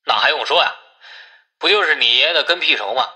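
Guy playing a grumbly villager on a phone line, super sharp bright voice, swoopy pitch, complains reluctantly. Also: animated, quick pace. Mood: surprised.

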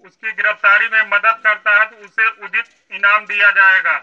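A man's voice: high-pitched, flat delivery, moderate pace. A middle-aged man, a police officer, making a formal town crier announcement outdoors, reading an official order in short declamatory phrases. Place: outdoors in a village street. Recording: dull lo-fi loudspeaker announcement recorded outdoors.

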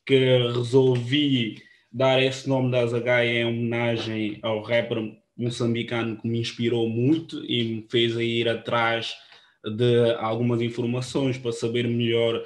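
A man's voice: mid-range voice, monotone, measured pace. A man in his thirties, born in Guinea-Bissau and raised in Portugal, giving an informal presentation on a video call. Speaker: photographer presenting his project at a debate. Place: indoor room on a video call. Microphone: computer microphone on video call.

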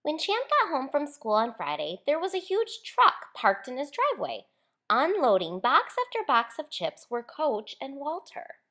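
A woman author reading a children's story aloud in an expressive, clearly enunciated storytelling style. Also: high voice, a little slow. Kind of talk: expressive children's picture book read-aloud.

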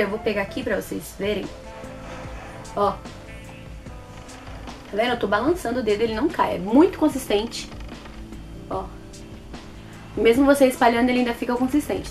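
A Brazilian-accented woman in her twenties, with a high voice, chats casually to camera as a beauty vlogger reviewing products. She is expressive and repeats words for emphasis, speaking from a small, plain indoor room.

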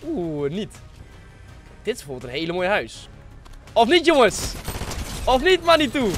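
A man, giving excitable live gameplay commentary in slangy speech sprinkled with English gaming words, close on a desk mic. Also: high voice, measured pace, soft background music. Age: 20s. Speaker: game streamer hosting an online hide-and-seek. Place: small room at a gaming desk, indoors. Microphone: close desk microphone.

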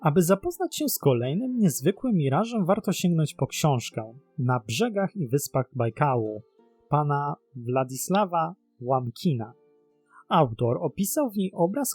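A man's voice: on the high side, darkish tone, breathy edge, no room sound. A man narrating a scripted mystery documentary in a dramatic storytelling manner. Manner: dramatic, posing rhetorical questions. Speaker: narrator and host of a mystery series.

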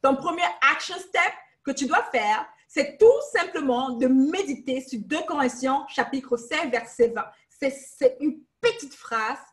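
A woman's voice: sits high, animated, a little slow, hardly any pauses. Emphatic woman teaching Bible study on webcam. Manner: emphatic, repeats phrases, mixes in English words. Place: living room, seated in armchair. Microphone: webcam on a video call.

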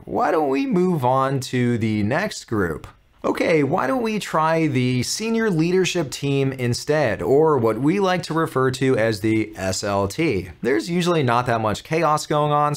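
A man in his thirties with an American accent, hosting a step-by-step software tutorial in an upbeat, clearly articulated, instructional way. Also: medium pitch. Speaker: tutorial host.

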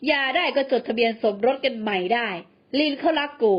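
A woman voicing a brash, jealous male ex-husband who speaks roughly and coarsely. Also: a little high, fairly quick, highs cut off, natural voice. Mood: blustering.

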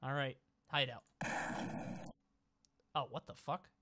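A man's voice: mid-range voice, steady tone, slow, pushed and bright. A man in his twenties giving casual, playful live game commentary, often repeating short phrases, on a close mic. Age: 20s. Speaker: game streamer. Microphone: boom mic close by, with headset.

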